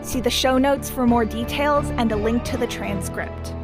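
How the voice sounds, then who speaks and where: High-voiced woman announcer over music. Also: normal speed. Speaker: content warning announcer. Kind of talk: scripted podcast announcement.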